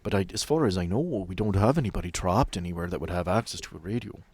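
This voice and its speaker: A man voicing a composed, formal female sanatorium administrator in a tabletop game, polite and measured with slight hesitation. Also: low-pitched, a little mellow, slightly rough. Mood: welcoming, guarded.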